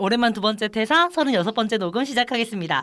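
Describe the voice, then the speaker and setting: A woman at a very fast pace, fairly high in pitch. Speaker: podcast co-host. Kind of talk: scripted opening monologue; casual chat. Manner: cautious, reserved.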